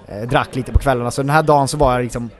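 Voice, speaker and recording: Man, actor guest, casual interview, rambling, animated storytelling, lots of filler words. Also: medium pitch.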